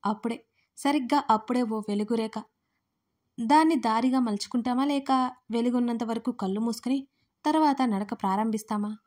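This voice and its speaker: A woman narrating an audio drama series in steady, emotive storytelling. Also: a little high, normal speed.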